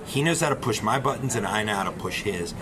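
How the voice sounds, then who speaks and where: A man's voice: on the low side, lively intonation, fast talker, very noisy. A man answering interview questions in a casual, conversational style. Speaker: news reporter being interviewed.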